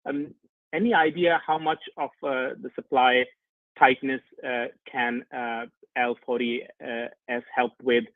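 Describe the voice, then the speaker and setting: A man's voice: medium pitch, level tone, slow, no echo. A man speaking as a financial analyst, putting a question to company management on an earnings call. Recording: dry narrow phone line.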